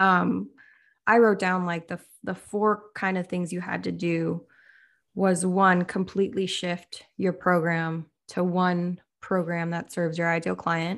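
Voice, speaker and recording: A woman at a fairly slow pace, fairly low in pitch, with monotone, flat intonation. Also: very clean recording, silent background. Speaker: guest discussing gym business. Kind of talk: casual conversation.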